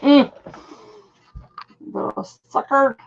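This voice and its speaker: A hoarse woman chatting casually as she tests gemstones for her jewelry vlog, exclaiming when frustrated. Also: very slow, muffled recording. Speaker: jewelry reseller vlogger. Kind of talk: casual chat while testing stones.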